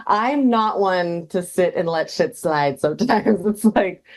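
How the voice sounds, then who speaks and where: Low-voiced, blunt, swearing woman podcaster. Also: lively intonation, unhurried. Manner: blunt, profane, laughs often. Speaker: podcast co-host. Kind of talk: casual chat.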